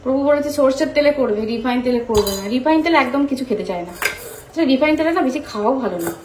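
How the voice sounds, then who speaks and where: A woman's voice: high voice, animated, racing, a little mellow, slight background noise, poor audio. A woman with a West Bengal Bengali accent, vlogging casually and exclaiming as she chats about what she is doing. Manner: chatty, exclaiming, narrating what she does. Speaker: lifestyle vlogger. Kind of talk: casual home vlog. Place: garden with mango trees, then home kitchen.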